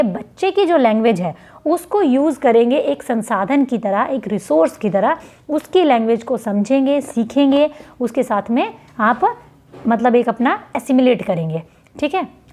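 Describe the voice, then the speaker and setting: A young woman teacher with an Indian English accent, her voice a little high. She reads the questions out slowly and carefully, then hurries through the explanations in Hindi. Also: darkish tone. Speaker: exam-prep teacher. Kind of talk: revision lesson reading out questions and explaining.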